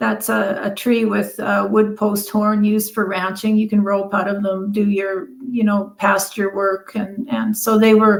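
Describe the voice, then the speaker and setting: A woman with a western Canadian accent speaks at a fairly slow pace in a medium-pitched voice. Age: 60s. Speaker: mounted shooter and leather worker. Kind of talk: podcast interview. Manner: halting, many fillers.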